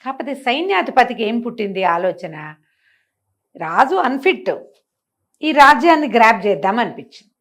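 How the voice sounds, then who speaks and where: Lively older woman telling a story. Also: on the high side, normal speed, long pauses. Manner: chatty, animated, laughs and comments on the story. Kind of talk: oral storytelling with asides.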